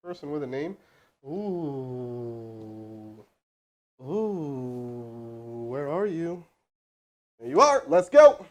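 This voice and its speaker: A man hosting a live stream as a sales trainer, energetic and casual, with chatty asides to his crew. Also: mid-range voice, extremely slow, long pauses. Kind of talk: hyped live-stream coaching and cold calling. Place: indoor room with crew present.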